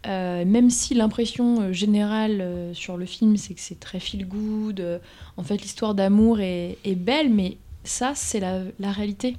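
A woman on a podcast panel who gives her view in a measured, reflective way. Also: mid-range voice, steady tone, dark tone. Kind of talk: casual podcast chat.

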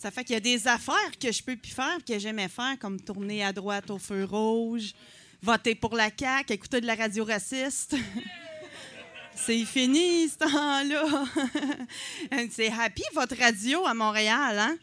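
A woman in her forties from Quebec City, Canada, performs stand-up at a comedy night in a Quebec French accent, chattering, poking fun at herself and using many filler words. Her voice is on the high side, bright and forceful, and a bit slow.

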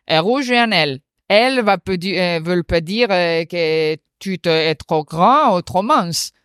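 A woman's voice: fairly low pitch, lively intonation, a little slow, a bit bright, smooth, no echo, clean studio sound. A woman with a foreign accent in French, explaining her work in an interview and often searching for words as a non-native speaker. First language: not French. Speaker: company representative being interviewed.

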